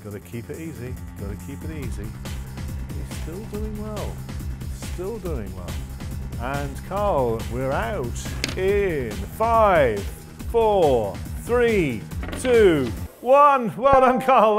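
A man's voice: a little high, very animated, slow pace, music in the background. A man playing an upbeat TV quiz show host, presenting and commentating with suspense and emphatic delivery. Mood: excited. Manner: builds suspense, counts down emphatically.

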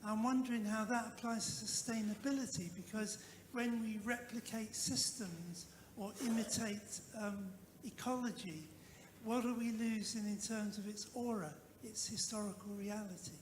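A woman academic making a measured, reflective comment from the audience at a conference. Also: a little high, fairly even intonation, a little mellow. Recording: echoey hall, long reverb, faint noise.

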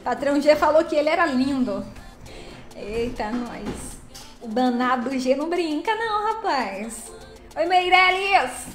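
A woman chatting lively on a live stream, greeting viewers by name while playing a truck game. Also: high-pitched, unhurried, reverberant, soft background music.

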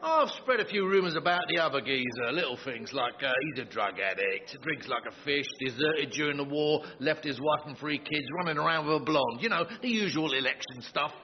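A man's voice: on the high side, animated, brisk, hardly any pauses. A man playing a shady, cheerful campaign fixer in a radio sitcom, slangy and wisecracking. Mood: scheming. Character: shady, cheerful male wheeler-dealer campaign manager. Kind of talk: British radio sitcom acting. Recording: slightly dull, muffled recording.

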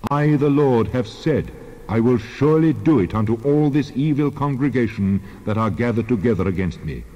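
A man playing a wrathful, solemn God, stern, measured and declamatory, in a dramatized Bible reading. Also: mid-range voice, animated, warm tone, close to an everyday voice. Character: God, a wrathful, solemn male deity passing judgment. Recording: long hall reverb, dull sound.

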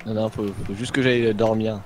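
Fast-talking man with deadpan jokes. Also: fairly low pitch, a little hiss or hum. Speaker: guest player. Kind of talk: casual gaming chat.

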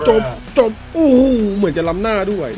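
A man calls his own football video game match in a loose, casual way, his voice jumping from low grumbles up to sudden high yelps. His pitch moves a great deal. Game music plays faintly under him. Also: expressive, moderate pace. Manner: shouty, swings between low mutters and high yelps. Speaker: gaming YouTuber. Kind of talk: excited gameplay commentary.

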